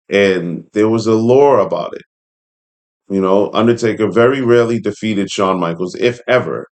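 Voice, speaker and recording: A man hosting a casual read-along commentary, speaking in an informal, opinionated way with conversational asides. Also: fairly low pitch. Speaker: host and commentator. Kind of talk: casual commentary while reading an article aloud.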